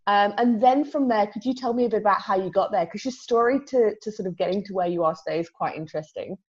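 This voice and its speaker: A woman's voice: medium pitch, fast, lo-fi sound. A woman hosting a podcast interview, asking her questions hesitantly with many fillers and restarts. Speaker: podcast host.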